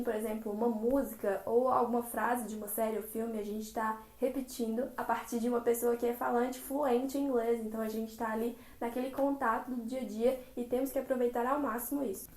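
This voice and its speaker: A woman with a Brazilian Portuguese accent giving language-learning tips in a chatty, expressive tutorial vlog. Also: fairly high pitch. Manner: chatty and expressive, acts out little dialogues. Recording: roomy, echoey room.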